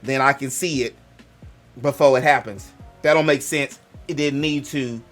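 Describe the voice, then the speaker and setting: A man's voice: medium pitch, steady tone, normal speed, faint music behind. A young man with a Black American accent hosting a gaming channel, talking in a loose, joking, digressive way that keeps interrupting itself. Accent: African American English. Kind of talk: rambling casual monologue.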